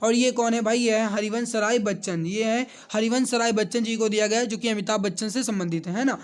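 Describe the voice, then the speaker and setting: A man with a strikingly high-pitched voice teaches an exam preparation class. He goes through questions step by step, restating each answer for emphasis. He speaks straight to his students in a familiar, brotherly way. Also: fairly even intonation, brisk. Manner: addresses viewers directly as brothers and guys. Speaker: online exam coaching teacher. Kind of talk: exam question walkthrough lesson.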